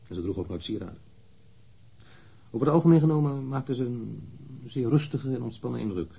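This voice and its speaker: An actor playing a blunt, candid man in his thirties, a witness answering police questions matter-of-factly in a husky voice in a radio drama. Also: fairly low pitch, mellow, heavily acted, low-quality recording. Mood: matter-of-fact, precise. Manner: matter-of-fact, precise, blunt. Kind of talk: radio drama interrogation acting.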